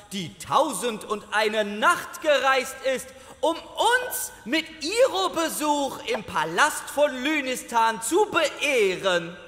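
A man's voice: very high voice, pushed and bright, exaggerated voice. An actor playing a flustered, pompous palace herald in an audio drama, theatrical and stammering in his ceremonious speech. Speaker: court announcer. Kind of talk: German audio drama acting. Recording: reverberant hall.

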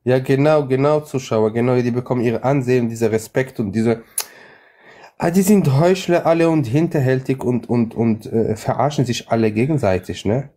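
A man whose first language is Arabic, hosting a live-stream chat and speaking halting German with many restarts. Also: medium pitch, mellow. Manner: halting, many restarts and fillers, non-native German grammar. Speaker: livestream host.

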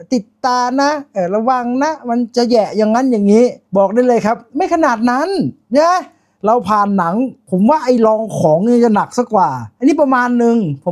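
A man's voice: high voice, darkish tone. A man giving a casual spoken film review, chatty and informal, with lots of asides and self-corrections.

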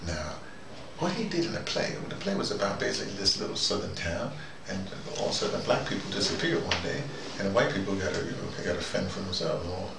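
An older man with an American accent talks in a loose, rambling monologue, wry and questioning himself as he goes. His voice is on the low side with plenty of gravel in it. It is recorded in an echoey room with noise around him. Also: expressive, quick pace. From United States. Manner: wry, musing, self-questioning. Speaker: host. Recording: echoey room, noisy, distant mic.

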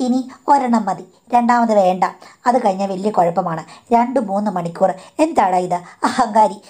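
A woman's voice: medium pitch, normal speed, warm tone, close to an everyday voice. A woman voicing a scheming older mother-in-law who chides and coaxes in a falsely sweet tone. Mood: scolding. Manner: coaxing and chiding, calls everyone dear.

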